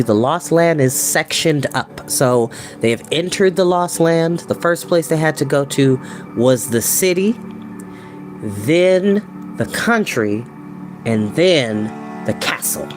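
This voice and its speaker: An expressive, theatrical storytelling host who reads books aloud and chats casually in between. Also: medium pitch, unhurried. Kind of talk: animated storybook reading with chatty asides. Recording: background ambient music. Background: ambient music.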